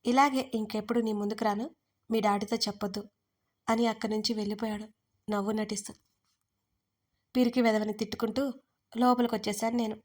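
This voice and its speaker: A woman narrating a romance audio story in the first person, playful and teasing. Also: on the high side.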